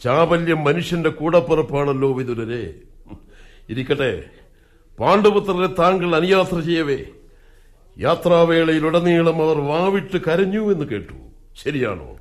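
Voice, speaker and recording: A man's voice: fairly high pitch, expressive, a little slow. A man playing an aging, anxious king who questions his advisor with suspicion in a radio play. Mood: troubled. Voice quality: wary, probing, troubled. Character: blind old king Dhritarashtra, anxious and suspicious. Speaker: radio drama actor. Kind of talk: 1980s Malayalam radio drama acting.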